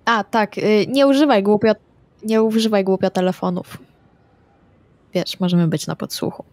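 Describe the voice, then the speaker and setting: Female RPG player, mid-pitched, matter-of-fact casual table chat, very dry recording. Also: moderate pace, a little mellow, no room sound. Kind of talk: casual in-character game chat.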